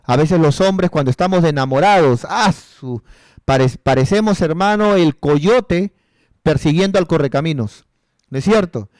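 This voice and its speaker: A man's voice: a little high, normal speed, a little mellow, no echo, clean studio sound. A male pastor giving a counseling sermon, repeating rhetorical questions and calling his listeners brother and sister.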